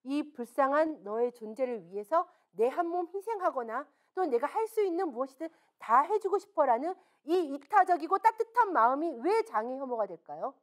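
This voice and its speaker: A woman's voice: high voice, very animated, moderate pace, hardly any pauses. A woman speaking at a seminar, telling stories frankly and asking the audience rhetorical questions with emphasis. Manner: frank, conversational storytelling. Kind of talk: seminar lecture.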